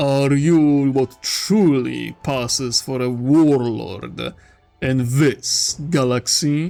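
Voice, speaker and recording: Using a put-on character voice, a man speaks very slowly at a medium pitch with ordinary pitch variation, while faint music plays in the background. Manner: smug, amused.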